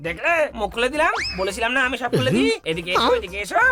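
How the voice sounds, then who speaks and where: A bragging, fast-talking cartoon character, whose voice swoops up and down as he boasts. The lines come rapid-fire over cheerful cartoon music. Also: fairly high pitch. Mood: boastful. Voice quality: quick, lively and boastful. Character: boastful smooth-talking lock-opener, lively. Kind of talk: cartoon dub voice acting. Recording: studio voice with cartoon music behind.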